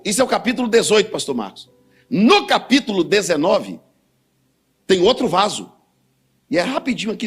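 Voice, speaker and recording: A man with a Brazilian Portuguese accent preaching a sermon, swinging between low, quiet stretches and loud, fiery bursts. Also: breathy edge. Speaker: pastor.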